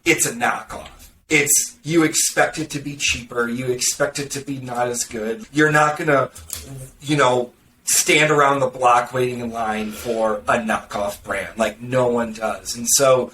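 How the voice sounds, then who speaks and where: A man's voice: mid-range voice, steady tone, unhurried, bright, forceful tone. Snarky man on a distant roomy mic. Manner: sarcastic, snarky, acts out quoted reactions. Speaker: podcast guest, marketing consultant. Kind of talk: casual podcast conversation. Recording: roomy, distant mic with faint background noise.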